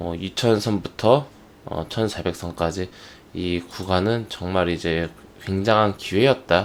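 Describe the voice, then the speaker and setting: A man's very deep, low voice at a very slow pace, with ordinary pitch variation. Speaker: stock market commentator. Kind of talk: market analysis talk. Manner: quiet voice, may crack.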